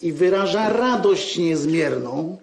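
A pompous official interpreter. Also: male voice, fairly high pitch, expressive, takes it slowly, gravelly, darkish tone, heavily acted. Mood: solemn. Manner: stiff, ceremonious translating. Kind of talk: stage comedy sketch. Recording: echoey stage with live audience.

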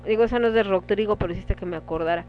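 A woman's voice: medium pitch, racing. A woman with a Mexican Spanish accent hosting a casual talk show, chatting with listeners and reading out their comments. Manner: conversational, reads listener comments aloud. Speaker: radio show host. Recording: dull lo-fi sound with faint music.

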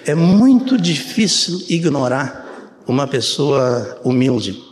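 A man's voice: medium pitch, big pitch swings, takes it slowly, a little mellow. An older man from Brazil with a Brazilian Portuguese accent, giving a conversational sermon and often checking in with his listeners. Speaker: preacher. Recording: reverberant hall, faint room ambience.

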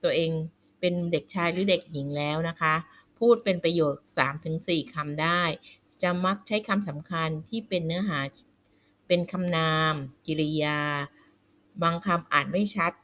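A woman giving a slide lecture on children's language development, speaking politely with frequent soft sentence-ending particles and an occasional filler. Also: on the low side, moderate pace.

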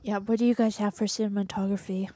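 A woman's voice: medium pitch, little pitch movement, quick pace, dark tone. A woman co-hosting a podcast, chatting in an upbeat, giggly way about an awards show as it airs. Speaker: podcast co-host. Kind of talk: casual live commentary.

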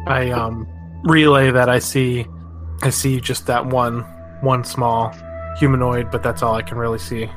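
A man's voice: mid-range voice, little pitch movement, a little slow, fairly bright tone, soft background music. A man playing a tabletop game, talking casually and tentatively as he thinks aloud.

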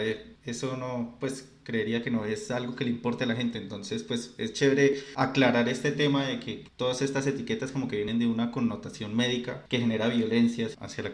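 A Colombian man, a guest, talking in a casual, slangy way. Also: medium pitch. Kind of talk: casual conversation. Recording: echoey room.

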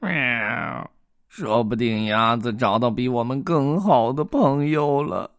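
A man's voice: mid-range voice, takes it slowly, vocal fry, pushed and bright, pitched above the performer's own voice, full character voice. A man voicing a stern, grumpy house cat in a children's storybook, speaking curtly and adding meows. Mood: sad. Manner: curt, scolding, adds meows.

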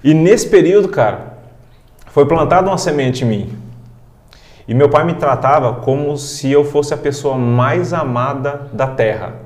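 A man's voice: a little high, measured pace, a little mellow, roomy sound. A man, telling a personal story as a guest in an interview, emotional and heartfelt. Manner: emotional, heartfelt, frequent "cara". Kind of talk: casual storytelling in a podcast interview.

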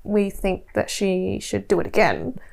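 A woman's voice: mid-range voice, very animated, a little slow, vocal fry, darkish tone. Young woman, easygoing guest. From Australia. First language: Japanese. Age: 20s. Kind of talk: casual podcast chat.

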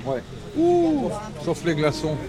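A man's voice: fairly high pitch, very animated, takes it slowly. A man doing a street interview, bantering and teasing in casual chat. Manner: joking, teasing. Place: outdoors, urban terrace. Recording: outdoor street with crowd.

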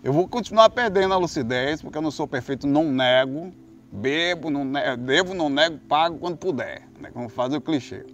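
A man with a Brazilian Portuguese accent telling a long story in a casual, rambling monologue, swearing freely and swinging between hushed and loud. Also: a little high, lively intonation, brisk, highs cut off, slight background noise.

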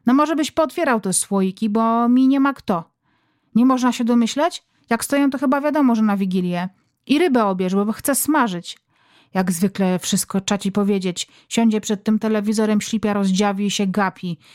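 A woman's voice: mid-range voice, normal speed, darkish tone, no echo, clean studio sound, close to an everyday voice. A woman voicing a domineering, foul-mouthed middle-aged country mother who scolds her family in rural dialect. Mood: complaining.

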